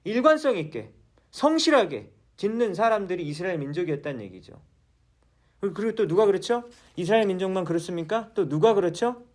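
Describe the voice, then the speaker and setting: Male pastor, sermon, high voice, lively pitch, rhetorical questions to the congregation, church. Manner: asks the congregation questions, then answers them.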